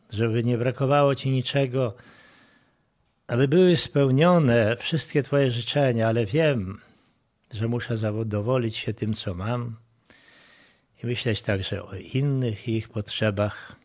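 A man reading a devotional text in a measured way, with some passages dropped to a hush. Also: medium pitch.

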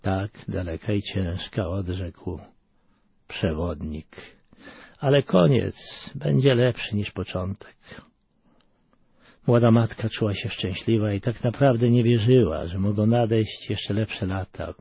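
A man with a low, husky voice reads a moving story aloud with earnest feeling. His delivery swells and then sinks to a hush. The recording is dry and dull. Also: slow pace, dry recording. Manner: earnest, emotional reading with dramatic swells and hushed drops. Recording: dull, muffled sound.

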